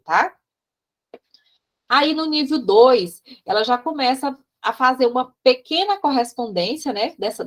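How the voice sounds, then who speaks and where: A Brazilian woman teacher explaining slides in a recorded class, chatty, with frequent tag questions and asides as she points things out. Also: fairly high pitch. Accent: Brazilian Portuguese.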